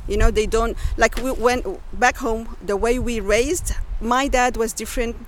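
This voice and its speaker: A woman's voice: on the high side, fairly even intonation, unhurried, a little hiss or hum. A woman, a community radio co-founder speaking reflectively in a casual interview, often restarting as she searches for words. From Sudan.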